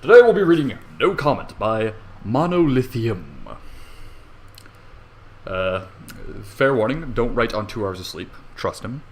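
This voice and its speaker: A man's voice: mid-range voice, lively intonation, a little slow, long pauses. A young man reading fan fiction casually as an amateur narrator, with rambling, self-deprecating asides and swearing. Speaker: amateur story reader. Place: bedroom at home.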